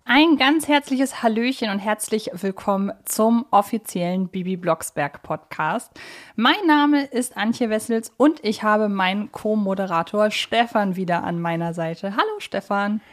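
A woman's voice: mid-range voice, expressive, measured pace. Chatty woman hosting a podcast. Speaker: podcast host. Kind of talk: conversational podcast moderation.

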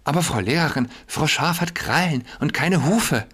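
A man's voice: a little high, animated, normal speed, a bit bright, pitched above the performer's own voice. A man doing a curious, wary young goat boy. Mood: doubtful questioning. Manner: questioning, earnest.

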